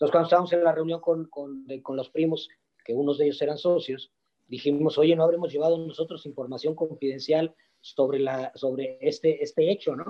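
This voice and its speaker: A normal speaking voice with fairly even intonation at a fairly quick pace. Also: man, fairly high pitch for a man. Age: 50s. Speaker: logistics company executive. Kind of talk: interview.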